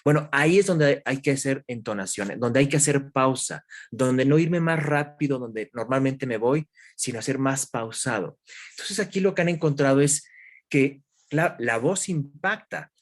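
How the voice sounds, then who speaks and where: Man, guest expert, calm explanations, interview talk. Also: medium pitch, moderate pace. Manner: calm, explaining with examples and questions to the listener. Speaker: guest expert in human development.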